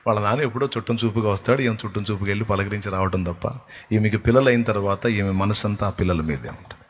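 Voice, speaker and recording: A man's voice: on the low side, fast talker. A man preaching a sermon with passion, retelling scripture scenes and putting questions to his listeners. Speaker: pastor. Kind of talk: Telugu sermon.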